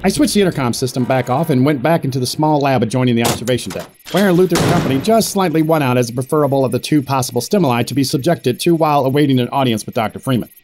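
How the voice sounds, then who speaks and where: An actor playing a wry, squeamish middle-aged corporate boss, narrating an audio drama in wordy, pompous style. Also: male voice, mid-range voice, very fast, few pauses, darkish tone, slight background noise, lightly acted. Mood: fussy, uneasy.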